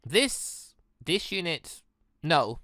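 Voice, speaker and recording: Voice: medium pitch, big pitch swings, bright, forceful tone, dry recording, clean studio sound, full character voice. A host reading as cold, evasive female machine. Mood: halting. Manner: clipped, formal, halting.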